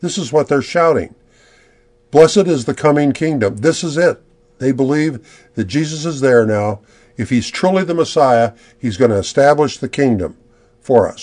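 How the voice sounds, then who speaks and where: Guy preaching in church, earnest bible teaching, gets worked up retelling the story. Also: mid-range voice. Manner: earnest, builds excitement retelling the crowd. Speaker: pastor. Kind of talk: expository sermon.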